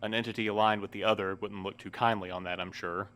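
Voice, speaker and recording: Weary male postmaster played by an actor, lowish pitch, wordy and proper, dryly resigned, for a fiction podcast. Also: flat delivery, fast, fairly bright tone, lightly acted. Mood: guarded, formal. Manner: wordy, formal, precise. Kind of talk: scripted audio drama acting.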